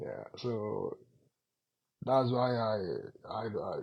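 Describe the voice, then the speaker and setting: A man speaks with a Nigerian accent in a somewhat breathy voice. His medium pitch carries a dark, mellow tone. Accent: Nigerian (Yoruba) English. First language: Yoruba. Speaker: self-development speaker. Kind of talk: motivational talk, code-switching Yoruba and English. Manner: halting, repeats words.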